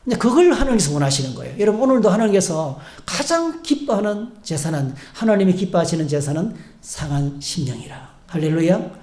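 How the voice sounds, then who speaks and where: A man's voice: sits high, big pitch swings, fairly quick, hardly any pauses, darkish tone. A male pastor preaching a sermon, acting out short prayers and leading the congregation in call-and-response. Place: church sanctuary. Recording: echoey church hall.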